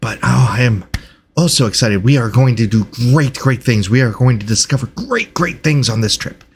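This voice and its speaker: A man voicing a nervous, excitable, oblivious researcher who stammers and eagerly repeats himself in a tabletop roleplay. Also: medium pitch, normal speed, lightly acted. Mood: excited, earnest.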